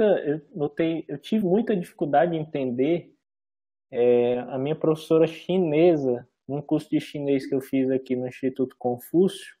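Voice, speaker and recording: A Brazilian man chatting casually as a podcast host, restarting his sentences as he goes. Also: fairly high pitch. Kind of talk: casual chat. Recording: slightly dull lo-fi audio.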